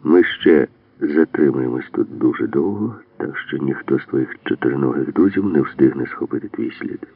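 A man reading an audiobook, voicing a calm male commando leader who reassures his partner gently. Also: a bass voice, moderate pace, vocal fry, dry recording, exaggerated voice. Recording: dry, phone-like narrow band.

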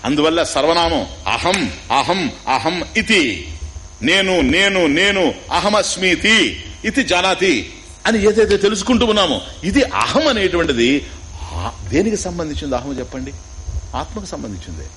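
Over poor audio, a man with a Telugu accent gives an Upanishad discourse, teaching scripture through questions and repetition and slipping in English words. His voice sits on the high side, pushed and bright, with big pitch swings, a measured pace, and frequent pauses.

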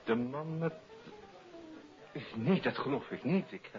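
A man's voice: medium pitch, expressive, slow, soft background music. A man acting as a genial, nostalgic hotelier and former stage actor in a 1950s Dutch radio drama, courteous and hesitant with a theatrical way of talking. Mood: wistful, courteous. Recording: dull old radio recording, busy background chatter.

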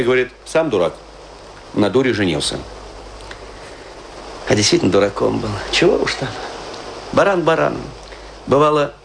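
A man's voice: mid-range voice, slight background noise, poor audio. A man playing a tipsy, self-pitying middle-aged washed-up actor, rambling confessionally in a theatrical radio play monologue. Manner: rambling confessional, swinging between lament and mock pride.

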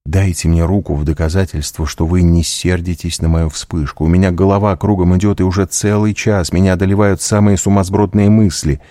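A man's voice: low-pitched, fairly even intonation, brisk, few pauses, dark tone, no echo, studio quality, voice pushed up, lightly acted. A man reading an audiobook, voicing a young man who presses his beloved with intense, urgent speech. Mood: tense. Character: passionate young man, determined suitor.

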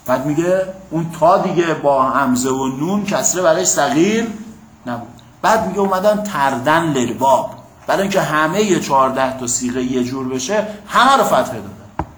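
A man's voice: fairly high pitch, animated, a bit bright. A man teaching a class on Quranic exegesis and Arabic grammar, explaining step by step and often checking whether the students have followed. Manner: explanatory, asks the class "got it?". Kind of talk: classroom lecture. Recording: echoey room, faint hum.

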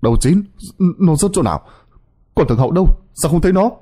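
A man voicing a grieving old fisherman, speaking low and subdued, close to tears. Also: expressive, brisk, warm tone, husky. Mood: alarmed.

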